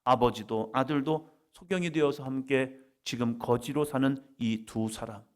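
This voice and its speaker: A middle-aged man preaching a worship sermon, dramatic, swinging from loud cries to quiet asides and leading the congregation in call-and-response. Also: mid-range voice, normal speed. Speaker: pastor. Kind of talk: lively evening worship sermon.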